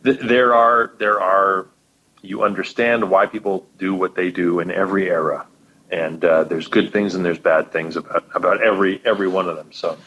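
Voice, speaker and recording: Low husky man on a dull line. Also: fairly even intonation, a bit bright. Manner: halting, restarts, searches for words. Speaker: guest podcaster and musician. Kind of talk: casual chat.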